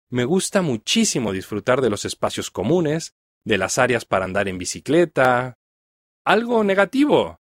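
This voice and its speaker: A middle-aged man from Mexico with a Mexican Spanish accent, reading a first-person text aloud for language learners in a clear, even delivery. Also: medium pitch, no echo, clean studio sound. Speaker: reader of a listening text.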